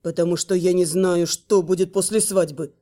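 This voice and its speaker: A woman voicing gloomy, fretful young male dragons in a lowered, brooding voice. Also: fairly even intonation, moderate pace, dark tone, close to an everyday voice. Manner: low brooding put-on male voice.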